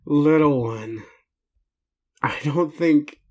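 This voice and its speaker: Man acting a slow-talking, gentle, groggy caregiver. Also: on the high side. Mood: tender. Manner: slow, halting, tender. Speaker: roleplay audio performer. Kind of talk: intimate audio roleplay, addressing the listener.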